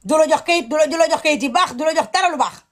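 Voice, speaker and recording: A woman's voice: high-pitched, quick pace. A woman giving impassioned commentary, indignant and emphatic, repeating her words.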